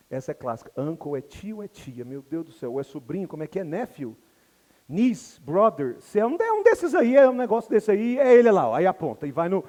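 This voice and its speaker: Before a live audience, a man from Brazil teaches English through animated stories in which he plays the characters himself. His voice is high-pitched, with a long reverb tail.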